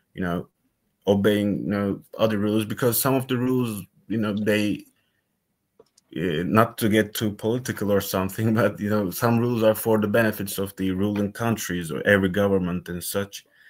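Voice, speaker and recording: Speaking with a non-native accent, a man uses a fairly low pitch and fairly even intonation. His pace is moderate, and the recording is very clean with a silent background. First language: not English. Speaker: caller asking a question. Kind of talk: question to host on live stream. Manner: halting, hesitant.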